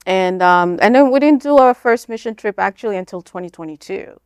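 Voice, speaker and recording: With a medium pitch and lively intonation, a woman from Kenya speaks a little fast as an interview guest and nonprofit founder. Her tone is clean on a dry recording, and her informal, explanatory answers are full of "like" and "you know".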